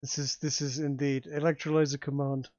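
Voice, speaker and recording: A man's voice: a little high, level tone, a little mellow, no room sound. Male GM, upper register, stop-start narration, lo-fi dry recording. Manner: halting, many restarts and fillers. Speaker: game master. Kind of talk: narrating a tabletop game.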